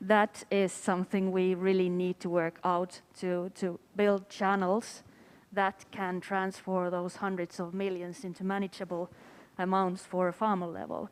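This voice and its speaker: A woman panelist with a low, flat voice. She speaks earnestly and plainly, with little rise and fall. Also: smooth. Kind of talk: panel discussion remarks.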